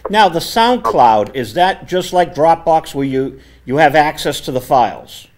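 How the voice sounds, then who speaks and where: A man hosting a casual studio interview, speaking with a naturally loud, conversational voice into a microphone set on the table. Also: on the high side, expressive, measured pace. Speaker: host. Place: community access TV studio.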